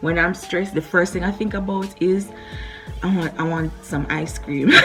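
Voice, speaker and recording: Music plays in the background. A woman speaks at a fairly low pitch. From Jamaica. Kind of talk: casual talk to camera.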